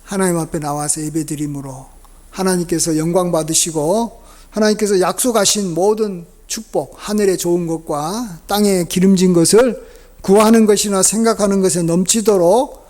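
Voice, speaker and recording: A man's voice: high-pitched, fairly even intonation, moderate pace, a little mellow. A middle-aged man preaching a sermon as pastor, in a conversational way with many fillers and asides.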